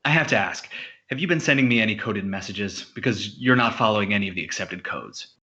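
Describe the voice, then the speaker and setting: Earnest, pompous spaceman, lowish forceful voice, stilted formal delivery, audio comedy. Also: expressive, a little fast, muffled recording. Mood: urgent, self-important. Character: earnest, pompous space hero lost at an Earth dance. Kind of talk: audio comedy drama acting.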